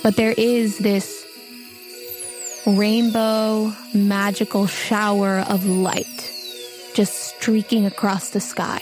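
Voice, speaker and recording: Slow, measured woman narrating over music. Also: medium pitch, little pitch movement. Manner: measured, with pauses between short phrases. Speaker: game master. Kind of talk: descriptive narration of a tabletop game. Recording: music playing under the voice.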